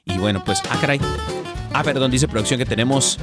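A man's voice: medium pitch, a little fast, loud music behind the voice. A man hosting a faith radio show, telling jokes playfully and addressing listeners like a preacher. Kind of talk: joking casual radio chat.

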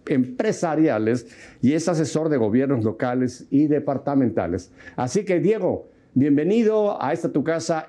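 Male host, Mexico City accent, mellow, friendly, encouraging interviewer. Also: mid-range voice. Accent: Mexico City Spanish. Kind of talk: television interview.

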